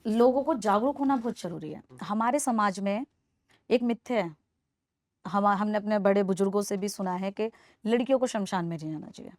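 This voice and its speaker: A woman's voice: mid-range voice, normal speed, a little mellow, dry recording, studio quality. A woman in her twenties from Delhi, answering a podcast interviewer in an earnest, persuasive way and repeating her points for emphasis. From Delhi, India. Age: 20s. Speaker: interview guest.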